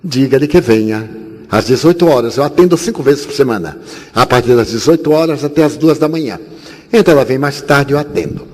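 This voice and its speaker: A man's voice: mid-range voice, a little fast, a little mellow. A man from Bahia, giving a storytelling talk to an audience and acting out every character. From Bahia, Brazil. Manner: theatrical, acts out every character. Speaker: spiritist speaker. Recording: echoey hall, faint hiss.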